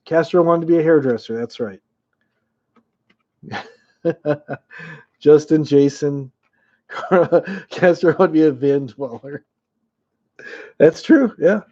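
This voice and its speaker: A man's voice: on the high side, mellow, muffled recording. A man casually hosting a live-chat trivia game, chuckling often and reading viewers' names aloud.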